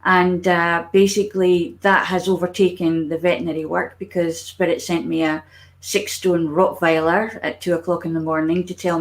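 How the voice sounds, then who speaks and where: A woman with a Scottish accent, a guest storyteller talking about her work in a relaxed, lively video chat. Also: on the low side. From Scotland.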